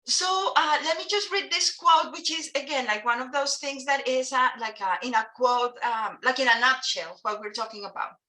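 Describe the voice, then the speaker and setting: A Colombian woman, a native Spanish speaker with a Colombian Spanish accent, speaks in a high, pushed, bright voice at normal speed with hardly any pauses. She's a couple and family therapist giving a training lecture to an audience. She often hesitates, using frequent fillers and restarts.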